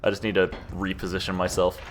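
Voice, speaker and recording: A man in his twenties giving casual, rambling commentary while he plays a game and chats with viewers, quick to laugh at himself. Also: low-pitched, completely flat delivery, faint music behind. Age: 20s. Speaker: streamer. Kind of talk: casual gameplay commentary chatting with chat.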